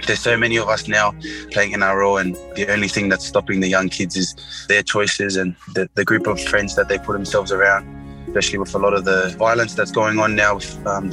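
A rugby league player with an Australian accent answers interview questions in a plain, easygoing way. His voice is on the low side and quite flat in pitch. Music plays softly beneath him. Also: poor audio. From Western Sydney, Australia. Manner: laid-back, plain-spoken.

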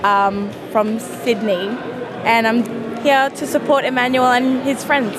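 A woman from the Philippines visiting a festival, speaking gently. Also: fairly high pitch, flat delivery, a little slow, a crowd in the background. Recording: crowded noisy outdoors.

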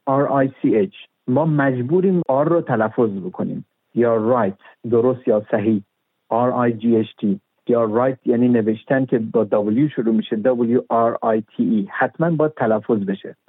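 A man speaks as an expert guest, methodical and patient, spelling out examples letter by letter. His voice sits at an ordinary middle pitch. It comes through a tinny, dry phone line. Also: breathy edge, no room sound. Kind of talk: explanatory interview talk.

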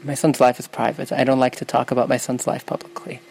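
A woman's voice: extremely low pitch, flat delivery, fast talker, vocal fry, a little mellow, a little hiss or hum, rough recording. A young woman from New York, a native Yiddish speaker, answering interview questions in an earnest, self-correcting way. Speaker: interview guest.

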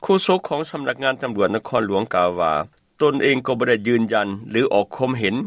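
A man reading a news voice-over in a steady, formal way. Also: medium pitch, a little fast, vocal fry, no room sound, clean studio sound. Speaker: news narrator.

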